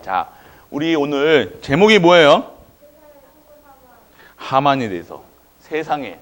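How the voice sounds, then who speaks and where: This male pastor speaks slowly in a fairly high, somewhat bright, sing-song voice. Throughout the church sermon he quizzes the congregation and waits for them to call back their answers.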